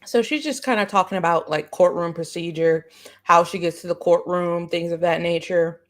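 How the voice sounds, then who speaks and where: A woman's voice: lowish voice, normal speed. A woman hosting a live stream in casual reaction chat, informal and slangy, often saying y'all. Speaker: live-stream host and commentator.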